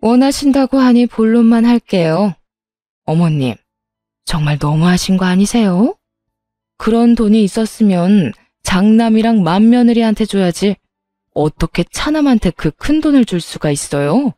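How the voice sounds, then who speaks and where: A woman's voice: medium pitch, animated, normal speed, dark tone, dry recording, clean studio sound, faint music behind, natural voice. A woman voicing a greedy, scheming older sister-in-law who talks in a brazen, demanding way. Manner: sugary then brazen and demanding.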